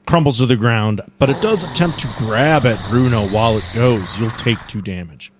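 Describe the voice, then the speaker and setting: A man's voice: medium pitch, moderate pace, noisy background. A man acting as game master of a tabletop game, improvising scene narration and ruling on moves. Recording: music playing behind the voice.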